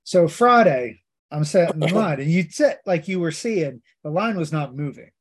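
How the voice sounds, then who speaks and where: A man's voice: fairly high pitch, animated, normal speed, a crowd in the background. Chatty man telling convention stories. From Pittsburgh. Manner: chatty, storytelling with many asides and quoted voices. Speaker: podcast co-host. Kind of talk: casual chat.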